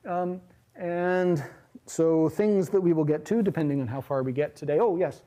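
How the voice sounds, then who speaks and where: A middle-aged man giving a university lecture in a large hall, talking in a relaxed, chatty way with many fillers and asides. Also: fairly high pitch, normal speed. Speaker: linguistics lecturer.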